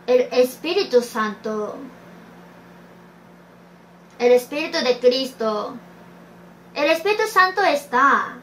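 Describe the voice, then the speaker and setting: A woman's voice: high voice, expressive, takes it slowly, pauses often, a bit bright, slight background noise. A woman preaching a sermon, reading scripture verses aloud and asking rhetorical questions. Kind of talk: slow sermon.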